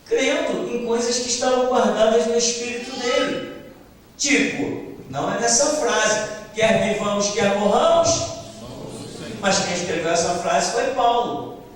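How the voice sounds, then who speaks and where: A man's voice: very high voice, a little slow, a little hiss or hum. Man preaching in an echoey hall. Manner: impassioned, acts out biblical dialogue. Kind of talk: sermon. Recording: echoey hall, distant mic.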